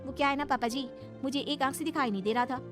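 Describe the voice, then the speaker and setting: A woman's voice: high-pitched, fast, over music, lightly acted. A woman voicing a sly, witty young bride in a cartoon, speaking in a playful, cheeky way.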